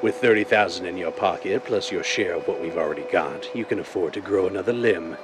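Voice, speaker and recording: An actor playing a blind, cold criminal mastermind in a deliberate, commanding, theatrical 1930s radio drama style. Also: male voice, deep voice, natural voice. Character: blind, cold, menacing male crime mastermind called the Owl. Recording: noisy vintage-style radio drama recording.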